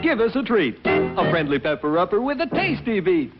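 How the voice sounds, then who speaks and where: Man playing a high-pitched hip beatnik pitchman. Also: sing-song, moderate pace. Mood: hip, excited. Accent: American. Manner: rhyming slangy jive patter. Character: hip 1950s beatnik jive-talking snack bar pitchman. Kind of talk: vintage drive-in intermission advertising. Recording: dull vintage film soundtrack, loud music.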